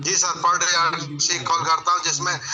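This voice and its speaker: The man's voice is high in pitch and delivered with monotone, flat intonation. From Madhya Pradesh, India (Shivpuri). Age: 70s. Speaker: network marketing member. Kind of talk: testimony. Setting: online call.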